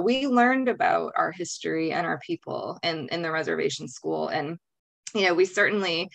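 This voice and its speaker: A woman's voice: fairly low pitch, a bit bright. A woman in her thirties, speaking as a panelist in a video-call discussion, earnest and reflective, often restarting her phrases.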